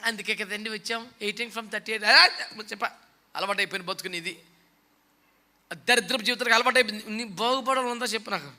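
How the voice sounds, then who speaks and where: Male pastor, fiery sermon delivery, high pitched, piercing edge, scolds and mocks, mimics others. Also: fast talker, bright, forceful tone. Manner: scolding, mocking, fiery preaching with rhetorical questions; mimics people he quotes.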